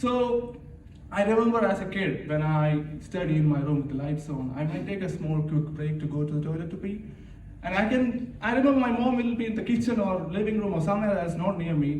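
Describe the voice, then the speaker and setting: Over noticeable background noise and audible room echo, a high-voiced man with a strong Indian accent talks at a fairly quick pace with lively intonation. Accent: thick Indian. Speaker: office worker doing stand-up comedy. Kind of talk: stand-up. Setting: stage with audience at work Christmas party. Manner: animated, with repetitions and fillers.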